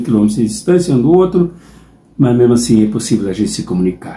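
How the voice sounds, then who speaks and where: A man's somewhat breathy voice with a dark, mellow tone and lively intonation, plus audible room echo. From Brazil. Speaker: pastor and online commentator; pastor, online commentator. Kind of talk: pastoral counseling talk to camera. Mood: earnest, grave. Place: home room.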